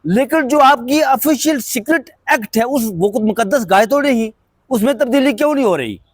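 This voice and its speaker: A man with a Pakistani Urdu accent giving measured, explanatory news commentary to his viewers, pointedly critical. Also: extremely high pitch, expressive, dry recording. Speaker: political commentator.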